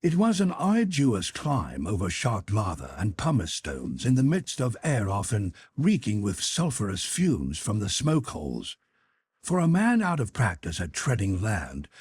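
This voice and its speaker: Male narrator for classic adventure fiction. Very husky, closely recorded and dry, measured and articulate delivery. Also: on the low side, a little mellow, dry recording. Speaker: audiobook narrator. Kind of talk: scripted literary narration of a classic adventure novel.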